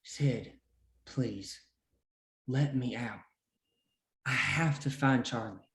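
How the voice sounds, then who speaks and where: A man's voice: mid-range voice, drawn-out words, gravelly, fairly bright tone, reverberant, full character voice. A man acting a beaten, jailed man who pleads insistently, in a table read of a period Western drama. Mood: pleading.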